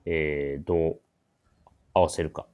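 Male host, deep voice, casual radio chat, drily teasing co-presenters. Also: flat delivery, measured pace, darkish tone, clear, resonant tone. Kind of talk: casual talk show chat with event announcements.

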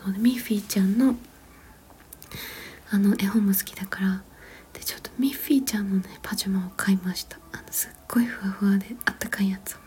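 Softly whispering mellow-voiced woman. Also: medium pitch, steady tone, quick pace. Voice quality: soft whisper. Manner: gentle, rambling, with frequent fillers and soft laughs. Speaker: mother. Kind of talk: whispered casual storytelling.

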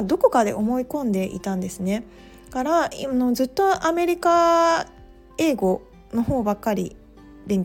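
A woman's voice: fairly high pitch, a little mellow. Chatty Japanese-speaking woman host. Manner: chatty, many fillers, laughs at herself. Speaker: pharmacist and podcast host. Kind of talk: casual monologue.

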